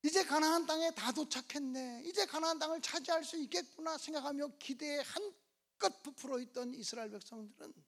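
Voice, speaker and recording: A woman preacher delivering a revival sermon in a church, telling scripture stories dramatically and raising her voice for the big moments. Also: a little fast. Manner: dramatic, acting out biblical scenes with sudden rises in pitch and loudness. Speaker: guest preacher at a revival meeting.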